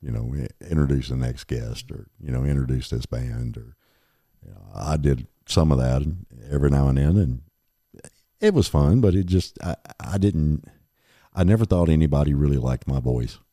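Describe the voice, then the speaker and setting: Very deep, dark-voiced man. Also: normal speed, no echo, studio quality. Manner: rambling, laid-back storytelling. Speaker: podcast host. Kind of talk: casual chat.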